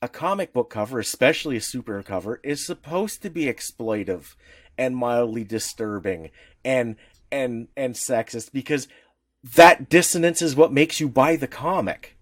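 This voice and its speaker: A male podcast co-host talking in a loose, rambling way, often breaking off and restarting mid-sentence. His pitch swings widely as he talks. The recording is dry and close, with no room sound. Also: moderate pace, no room sound. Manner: rambling, animated, many restarts. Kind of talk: casual chat.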